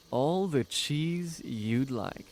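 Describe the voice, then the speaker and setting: A man's voice: a little high, expressive, drawn-out words, a little mellow. A man playing an affectionate, joking young boyfriend in a naturalistic audio drama. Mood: apologetic, coaxing.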